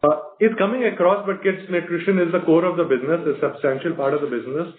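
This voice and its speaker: A man answering questions as a company executive in a halting, measured corporate manner. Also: a little high, fairly even intonation. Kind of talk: earnings call answers. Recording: roomy, band-limited conference phone line.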